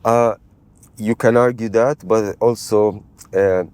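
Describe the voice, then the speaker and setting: A middle-aged man from Malta talks as a podcast guest in a low, warm voice. He tells his stories in a rambling, animated way, in relaxed interview chat. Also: a little slow, no room sound. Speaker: guest, AI expert.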